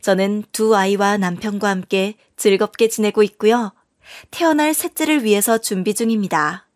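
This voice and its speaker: A woman's voice: mid-range voice, moderate pace, dry recording, studio quality. A woman narrating a first-person story in a chatty, gossipy manner.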